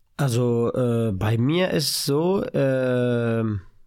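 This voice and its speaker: Pitched at a medium level, a man talks with ordinary pitch variation. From Syria. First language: Arabic (speaking German). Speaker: theatre director. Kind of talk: casual interview. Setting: radio studio. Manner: halting, non-native phrasing.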